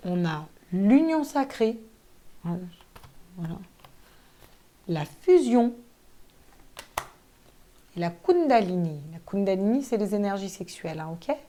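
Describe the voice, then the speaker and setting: A woman's voice: medium pitch, big pitch swings, slow pace, pauses often, mellow. A woman giving a casual tarot reading to viewers, chatty and thinking aloud, with some casual swearing. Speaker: tarot card reader.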